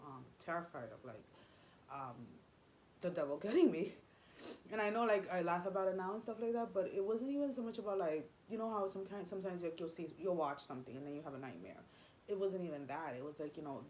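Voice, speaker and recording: Chatty low-voiced woman telling her story. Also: a little mellow, slight background noise, low-quality recording. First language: Spanish. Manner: rambling, confiding, many fillers and restarts. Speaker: vlogger. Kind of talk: personal storytelling vlog.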